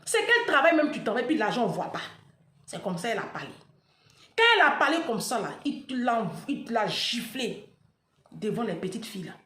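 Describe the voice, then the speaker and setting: A woman's voice: fairly high pitch, big pitch swings, a little fast, pushed and bright, echoey room. A woman vlogger speaking straight to her followers, retelling a painful story with dramatic flair and acting out the dialogue.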